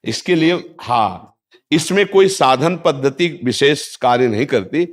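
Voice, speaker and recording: Give me a man explaining spiritual teachings in a measured discourse, with recited Sanskrit verses. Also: mid-range voice, animated.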